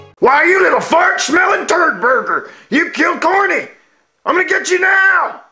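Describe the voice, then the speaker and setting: Speaking at a moderate pace, a man puts on a cartoonish character voice. It sits at an extremely high pitch. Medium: puppet show. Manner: brash, angry, crude.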